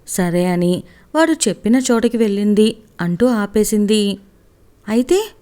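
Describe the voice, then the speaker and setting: A woman's voice: dark tone, smooth. A woman reading a family story aloud, lifting her voice for anxious questions in the dialogue. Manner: lifts pitch sharply for anxious questions in dialogue.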